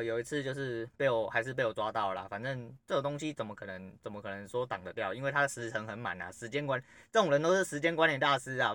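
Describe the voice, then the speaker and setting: A man's voice: medium pitch, sharp tone, no echo. A man hosting a podcast, telling a personal story in a blunt, rambling way and swearing freely. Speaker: podcast host. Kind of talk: casual storytelling monologue.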